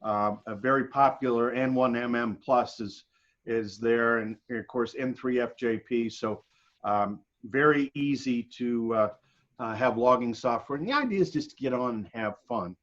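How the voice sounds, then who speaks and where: An American man gives an informal presentation over a video call. His delivery is halting, with pauses in the middle of sentences. The audio is dull and lo-fi. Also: mid-range voice, a bit bright. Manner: halting, pausing often mid-sentence. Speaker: guest presenter.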